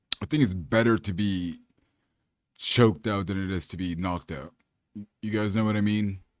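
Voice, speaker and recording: A man with an American accent, fairly low in pitch with ordinary pitch variation, on a very clean recording with a silent background. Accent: sounds like a Filipino who landed in Texas. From California. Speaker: fitness vlogger. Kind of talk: casual vlog talk. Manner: animated.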